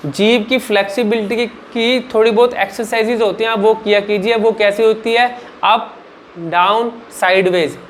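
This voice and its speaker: A man coaching viewers on clear speaking, explaining in an emphatic way, asking himself rhetorical questions and answering them, and often checking in with the listener. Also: high-pitched, fairly even intonation, normal speed, slight background noise. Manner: repeats "ठीक है ना" as a check-in. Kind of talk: instructional vlog talk.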